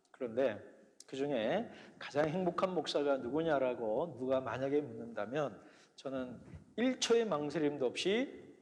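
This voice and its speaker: A man preaching a sermon as a pastor, telling his story earnestly and often dropping to soft, quiet phrases. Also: medium pitch. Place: church sanctuary. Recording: church hall reverb.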